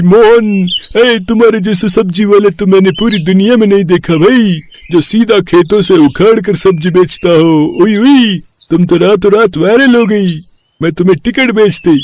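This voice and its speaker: A man's voice: high-pitched, darkish tone. A man voicing an effusive, jovial Arab sheikh in a cartoon story, exclaiming in broken grammar with a put-on Arab accent. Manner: exclaiming, broken Hindi with wrong gender endings. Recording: clearly noisy.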